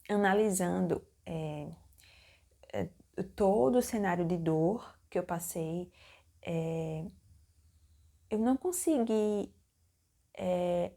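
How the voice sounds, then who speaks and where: A young woman recounts her childbirth to her viewers in a casual, halting way, stopping to act out her own remembered lines. Her voice is mellow and dark, with a gravelly fry. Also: mid-range voice. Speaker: mom vlogger. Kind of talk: personal birth story, casual narration.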